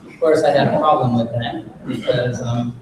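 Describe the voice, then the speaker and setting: A man of Cuban heritage telling a personal story as a panel speaker, chatty and jokey with quick asides. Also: medium pitch, steady tone, darkish tone, a little hiss or hum. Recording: echoey hall from far off.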